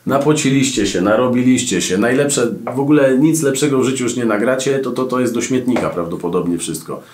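Animated ironic Polish-speaking man, roomy sound. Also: mid-range voice, a little fast. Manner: animated storytelling, ironic, frequent asides. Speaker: podcast host and radio presenter. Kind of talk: casual advice talk to camera.

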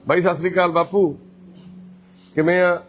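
A man from Punjab speaks with a Punjabi accent on a handheld phone as he walks through a shelter indoors, narrating live. His voice sits slightly high and turns cheerful and coaxing when he speaks to residents. He moves briskly between explaining and chatting. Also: little pitch movement, a little hiss or hum. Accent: Punjabi from Punjab, India. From Punjab, India. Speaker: host and caretaker at a care shelter.

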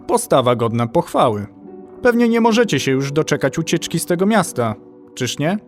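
A dutiful soldier in a horror audio drama, steady and reassuring, with a fairly high voice that moves a lot in pitch, as a man plays him. Quiet music runs faintly underneath. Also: moderate pace. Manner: matter-of-fact and reassuring. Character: calm, dutiful adult male soldier.

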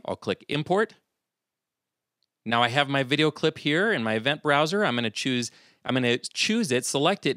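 A middle-aged man explains a screen-recorded software lesson step by step in a calm, even way. His voice sits at a middle pitch and sounds dry and close, with no room around it. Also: no echo. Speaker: video tutorial host.

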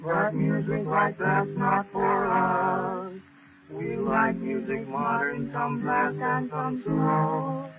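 A man sings a novelty jazz number in a very high voice. The music is loud. The 1930s recording is thin and tinny. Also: slow, long pauses. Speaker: singer.

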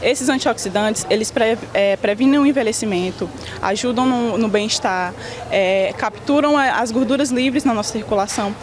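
A woman's voice: on the high side, moderate pace, a crowd in the background. A young woman nutritionist explaining carefully into a handheld mic. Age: young adult. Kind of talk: expert explanation. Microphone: handheld reporter mic.

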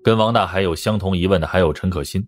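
Very deep-voiced male audiobook narrator. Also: fast talker. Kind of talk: scripted dramatic detective-novel narration in first person.

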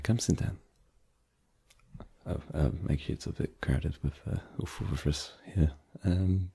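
Low, creaky, very dark voice with a breathy husk, a man acting as a laid-back young boyfriend, stumbling through "um"s and "like"s and slipping into playful teasing, ASMR roleplay. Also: full character voice. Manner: hesitant, filler-heavy, teasing. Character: easygoing young adult boyfriend hosting friends.

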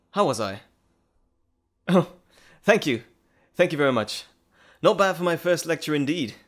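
Audio roleplay role, male actor: scholarly gentleman doctor, bashful and well-mannered, eager to ramble, articulate, very varied pitch. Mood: flustered, friendly. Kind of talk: audio drama roleplay acting, addressing the listener.

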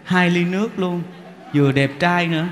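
Southern vietnamese monk joking through a sermon, slightly high voice, echoey hall, faint noise. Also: male voice, moderate pace. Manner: animated, teasing, acts out characters. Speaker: monk giving a dharma talk. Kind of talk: humorous sermon with storytelling.

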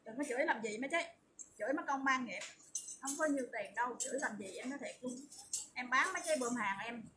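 A woman with a southern Vietnamese accent giving a chatty, repetitive livestream sales pitch as an online shop seller. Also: fast talker. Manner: chatty, repetitive, emphatic assurances. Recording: distant mic with loud background noise.

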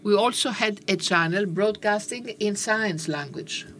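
A woman giving simultaneous interpretation of a panel discussion, with a halting, measured delivery and frequent pauses. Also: mid-range voice, fairly bright tone, a little hiss or hum. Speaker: conference interpreter.

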